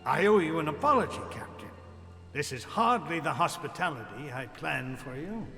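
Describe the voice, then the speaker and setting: An actor playing a scheming high churchman in a video game, unctuous and theatrical with falsely polite manners. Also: expressive, moderate pace, pushed and bright. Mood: oily hospitality. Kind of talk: video game cutscene acting. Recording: echoey hall, music behind.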